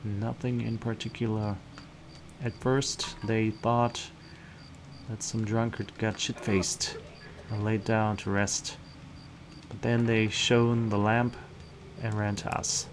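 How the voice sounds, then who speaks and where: A man's voice: fairly low pitch, level tone, takes it slowly, pauses often, noisy background. A man reading the part of a cynical, world-weary guardsman in a visual novel. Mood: weary, matter-of-fact. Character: gruff, cynical male slum guardsman reporting a murder.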